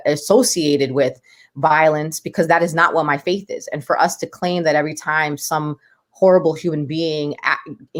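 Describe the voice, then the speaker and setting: A woman's voice: low voice, a bit bright. A woman, speaking as a guest in an interview, talking with passion and emphasis. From United States. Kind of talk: podcast interview.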